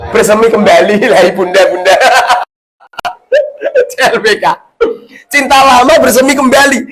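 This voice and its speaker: A man, a preacher telling a religious story in a lecture to women, animated and jokey, swinging between loud and hushed lines and often checking in with his listeners. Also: very high voice. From Indonesia. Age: 40s. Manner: addresses the audience often with tag questions. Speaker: Islamic preacher.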